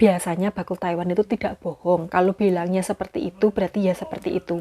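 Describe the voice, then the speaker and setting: A soft-spoken woman at a medium pitch talks at a fairly quick pace with fairly even intonation and a dark, mellow tone. The sound is dry and close, with no echo. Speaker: migrant domestic worker vlogger. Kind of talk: casual vlog talk. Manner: quiet, speaking softly.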